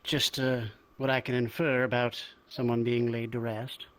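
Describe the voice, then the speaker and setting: A roleplayer speaking in character in an improvised conversation, hesitant, halting and polite. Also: mid-range voice, flat delivery. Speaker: roleplayer in a virtual reality game.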